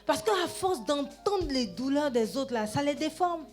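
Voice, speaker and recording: A woman pastor preaching a sermon in a church, talking straight to her listeners in a lively, conversational way, often tagging her phrases with "hein" and "amen". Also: high-pitched, measured pace, faint music behind. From Gabon.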